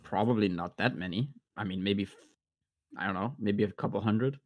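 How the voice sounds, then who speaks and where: A man co-casting a live esports match, speaking haltingly with frequent restarts. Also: fairly low pitch, dry recording, highs cut off. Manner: hesitant, many restarts and fillers. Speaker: esports co-caster. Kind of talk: live game commentary.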